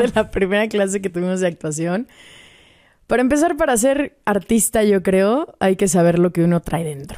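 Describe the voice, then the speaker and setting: A woman speaks at a moderate pace with lively intonation and a medium pitch, against a quiet background. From Mexico, Acapulco. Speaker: actress and comedian. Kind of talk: casual chat. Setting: studio. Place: studio. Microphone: studio mic.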